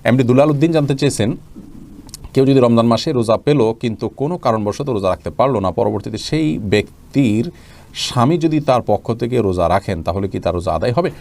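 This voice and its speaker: A man giving a religious question-and-answer talk, reading each viewer's question aloud before explaining the ruling. He talks quickly, at a mid-range pitch, in a calm and explanatory tone. He speaks to the askers directly, as brother or sister. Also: creaky.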